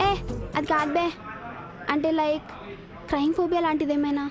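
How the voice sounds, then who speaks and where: A woman's voice: high-pitched, flat delivery, brisk, music in the background. A woman playing a friendly coworker in a comedy sketch, teasing her friend and then giving him advice.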